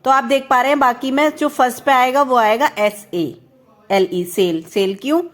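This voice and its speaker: A young woman from India with a high voice teaches a reasoning lesson. She works through each question step by step and keeps checking whether the viewer is following. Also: normal speed. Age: young adult.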